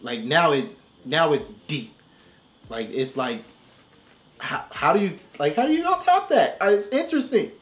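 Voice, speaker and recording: A man's voice: a little high, very animated, normal speed. American man chatting in an echoey room. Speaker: reaction show host. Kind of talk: casual chat, video game story discussion. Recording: roomy, echoing space.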